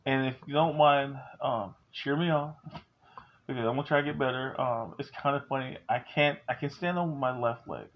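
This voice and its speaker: A man's voice: mid-range voice, moderate pace, lo-fi sound, slight background noise. A man in his forties talking at home, candid and joking but earnest as he gives advice. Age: 40s. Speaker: vlogger. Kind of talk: casual talk to camera.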